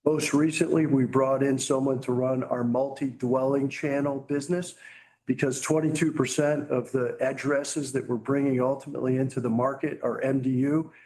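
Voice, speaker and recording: Male corporate executive, mid-pitched and level, answering questions on an earnings call. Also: flat delivery, normal speed, darkish tone, poor audio. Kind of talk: semi-prepared business commentary on an earnings call.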